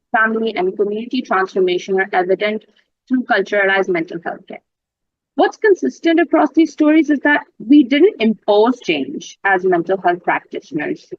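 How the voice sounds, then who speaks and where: A woman's voice: mid-range voice, dry recording. Woman presenting to a conference, lo-fi. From Pakistan. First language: Urdu. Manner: explanatory, clarifies terms, occasional fillers. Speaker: mental health practitioner presenting research. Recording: dull lo-fi dry sound.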